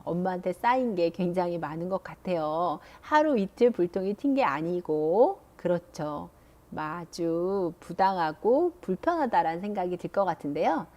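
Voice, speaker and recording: A woman in her forties hosting a teen advice show, asking gentle questions. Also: on the low side, normal speed. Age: 40s. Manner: gentle questioning, lively intonation. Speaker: host, teacher giving advice to teens.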